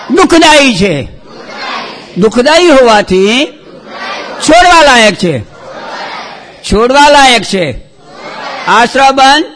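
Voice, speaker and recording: A man teaching children a religious lesson, chanting terms loudly for them to repeat, then dropping to quick, quiet scolding. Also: very high-pitched, a little hiss or hum. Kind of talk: call-and-response chanting lesson.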